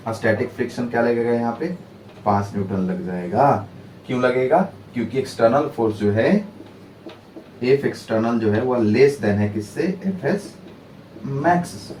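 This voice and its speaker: A man's voice: mid-range voice, darkish tone, reverberant, distant mic, slight background noise. A male physics teacher giving an exam-prep lecture, acting out friction as if it were pleading and often checking that his students follow. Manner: dramatic, personifies friction pleading; asks students rhetorical checks.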